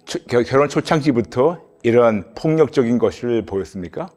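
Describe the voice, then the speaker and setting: A middle-aged man, a pastor hosting a counseling interview, asking probing questions on a dark studio set. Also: mid-range voice, animated, moderate pace. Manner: probing, with frequent short acknowledgments. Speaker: pastor and host.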